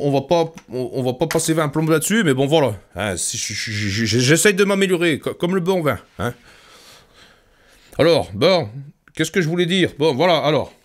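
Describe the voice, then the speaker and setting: A young man with a Savoyard French accent talks through his music-making in a casual vlog. His voice sits a little higher than most men's. He rambles, repeats words and drops joking asides as he works. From Savoie, France. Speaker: music producer.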